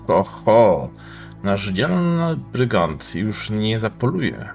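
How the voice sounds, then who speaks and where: Mad innkeeper: huge, bestial, menacing, slow and wildly swooping from mutter to roar, audiobook horror. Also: male voice, lowish voice, big pitch swings, creaky, a little mellow, soft background music, heavily acted. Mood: gloating, mad. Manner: roaring, wild mirthless laughter. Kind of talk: dramatized audiobook acting.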